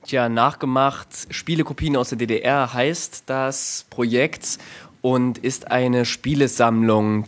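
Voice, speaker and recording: A young man from Saxony, a film director, guesting on an interview over a video call and explaining in a measured way. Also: medium pitch. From Saxony, Germany.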